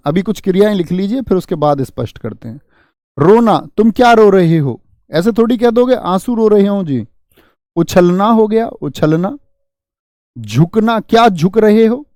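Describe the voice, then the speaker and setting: A man's voice: sits high, darkish tone, no echo, clean studio sound. A man teaching a grammar lesson, asking his students questions and answering them himself. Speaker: Hindi teacher.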